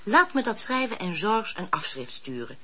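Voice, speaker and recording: An actress playing a brisk, opinionated woman in a Dutch radio drama. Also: medium pitch, sing-song, pushed and bright, breathy edge, exaggerated voice. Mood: brisk, assured. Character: brisk, opinionated woman helper, pious letter-answerer. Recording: dull lo-fi radio play recording.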